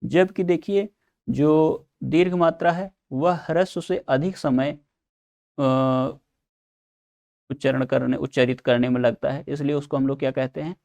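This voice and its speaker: A man's voice: mid-range voice, steady tone, unhurried, gravelly, a little mellow. A man teaching an online exam-prep lesson, explaining step by step and answering his own questions.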